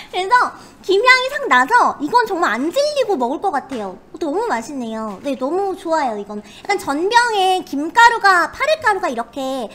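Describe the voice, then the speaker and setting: Perky woman with very high cutesy voice. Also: big pitch swings, moderate pace, few pauses, fairly bright tone. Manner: polite, perky, refers to herself by name. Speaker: host, snack reviewer. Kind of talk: casual livestream commentary.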